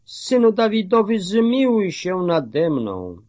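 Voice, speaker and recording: A man's voice: a little high, wildly swooping pitch, drawn-out words, dry recording, full character voice. Man voicing a pleading blind beggar. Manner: crying out, imploring.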